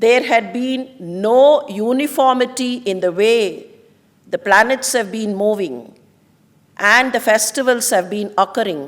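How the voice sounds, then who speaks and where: In a Tamil accent, a woman with a fairly high pitch talks at a fairly slow pace. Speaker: panelist. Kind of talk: panel presentation. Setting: auditorium with audience. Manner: formal.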